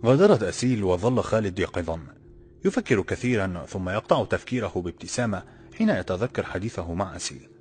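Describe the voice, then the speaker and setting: A male audiobook narrator with a very low, deep voice reads the story at a quick clip. Faint music plays beneath his narration. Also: lively intonation, darkish tone.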